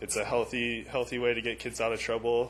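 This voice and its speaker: A man talks in a Southern Californian accent. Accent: Southern Californian American. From Southern California, Orange County. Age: 20s. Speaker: public commenter at council meeting, surf instructor. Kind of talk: public comment. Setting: city council meeting. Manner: halting.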